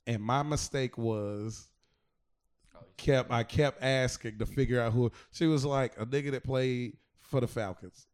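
Man, comedian, casual chat, smooth resonant voice, middle pitch, unhurried with fillers. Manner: relaxed storyteller, trailing off with fillers.

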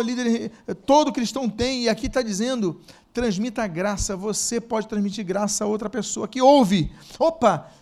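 Male preacher, high-pitched, animated, quizzes the congregation, punches words with loud bursts. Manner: asks the congregation questions. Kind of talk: sermon.

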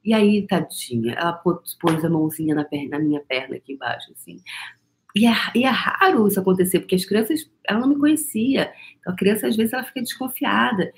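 A woman's voice: medium pitch, expressive, fast. A woman with a Brazilian Portuguese accent talks to her viewers in a chatty, storytelling way, adding tag questions and laughs. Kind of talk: casual spoken monologue to viewers.

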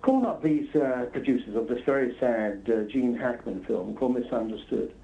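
A gravelly-voiced man, mid-range and moderately paced, is interviewed as a guest and tells anecdotes conversationally, hesitating and cutting himself off. The recording sounds slightly dull and lo-fi.

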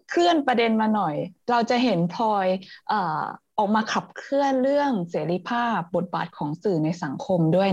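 A woman interviewer asking long, measured questions in a conversational tone. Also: medium pitch, a little mellow. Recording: dull, muffled sound.

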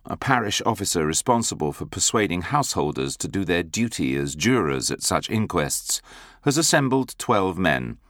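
Man, lowish pitch, lively intonation, dry close recording, measured audiobook narration. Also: no echo.

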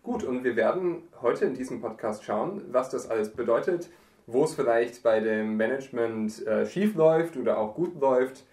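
A man hosts a podcast in a friendly way, asking questions and summing up what his guest says. His voice sounds echoey and a bit far from the mic, as if he were in a bare room. His pitch is in the middle range. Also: expressive, moderate pace, darkish tone. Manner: friendly, guiding questions, summarizing. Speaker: podcast host. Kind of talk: casual podcast interview.

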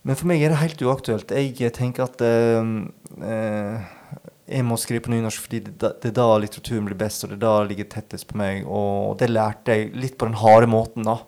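A man, an author and podcast guest, speaking in a thoughtful, halting way and often searching for his words. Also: lowish voice, fairly even intonation, creaky, a little mellow. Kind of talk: reflective interview talk.

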